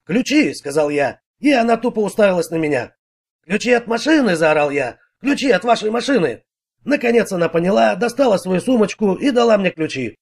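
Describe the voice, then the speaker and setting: A man doing a gruff, quarrelsome bricklayer. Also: high-pitched, lively intonation, brisk, exaggerated voice. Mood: recounting. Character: irritable middle-aged male bricklayer.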